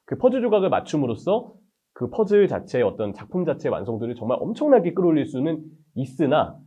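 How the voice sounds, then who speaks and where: Fast, animated man analyzing football. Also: on the high side, husky, muffled recording. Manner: fast, animated analytical delivery with rhetorical questions. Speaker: football commentator. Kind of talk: interview answers, analytical commentary.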